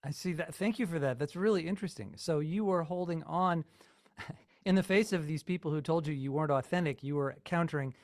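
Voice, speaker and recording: A man interviews a guest, asking measured questions and warmly affirming what he hears. His voice sits a little higher than most men's. The sound is dry and close, with no echo. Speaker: interviewer host.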